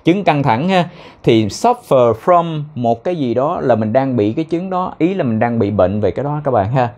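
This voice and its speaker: This young man's English lessons are casual: he breaks down phrases and slows his words so students can imitate him. He speaks at a medium pitch, expressively, with a somewhat dark tone.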